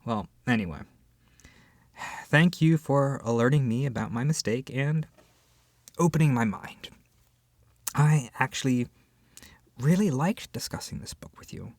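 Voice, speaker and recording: A husky, creaky voice acts out one side of a scripted roleplay conversation as an opinionated, easily flustered book club member. The delivery is expressive and hesitant, dropping into sighs and whispered asides. The sound is dry and close. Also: mid-range voice, normal speed, long pauses, no room sound. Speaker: ASMR roleplay voice actor.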